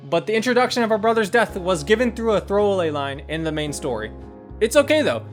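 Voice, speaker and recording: A man's voice: high-pitched, fairly bright tone. A man reading a scripted review narration as the host. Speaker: video game reviewer and host.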